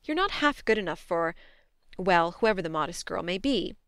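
A woman reading a storybook, voicing a blunt, spirited young woman who talks briskly. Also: fairly low pitch, lively intonation, fairly bright tone, clean tone, dry recording, studio quality. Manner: brisk, scolding, then tender.

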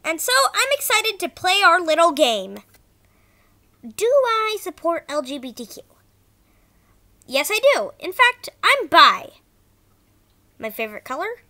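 A woman voicing an upbeat, quirky cartoon cat boy in a squeaky voice, with stumbling, bad amateur acting. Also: sing-song, a little slow, long pauses, pushed and bright, exaggerated voice. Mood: perky, theatrical.

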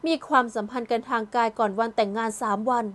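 A woman narrating an audio novel in a calm, gentle storytelling voice. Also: a little high, fast talker. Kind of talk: scripted narration.

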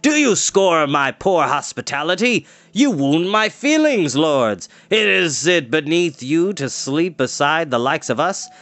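A menacing mercenary chief from a storybook, acted out by a man. He is boastful and falsely hospitable, with animated swings of pitch and a grim, mock-courteous edge. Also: measured pace, hardly any pauses, dry recording, heavily acted. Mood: mock indignation.

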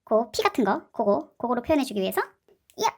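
The host of a slime and clay craft channel narrates a casual tutorial, chatting playfully and adding cute sound words as she works. Her voice is a little high and darkish, very animated, and she talks fast.

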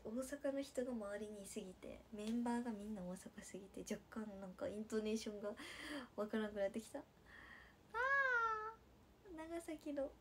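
A young woman with a Nagasaki accent, chatting on a sleepy late-night livestream and reading viewer comments, slipping into soft whispers. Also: mid-range voice, fast, hardly any pauses, slight background noise. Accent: Nagasaki dialect. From Nagasaki, Japan. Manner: drowsy, drifting into soft whispers, then bright squeals for viewers. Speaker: idol livestreamer.

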